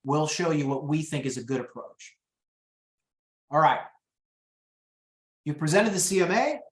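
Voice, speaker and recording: A man running a real estate training webinar over a video call, telling lively stories and acting out quotes. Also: a little high, unhurried, echoey room. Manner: lively storyteller, acts out quotes.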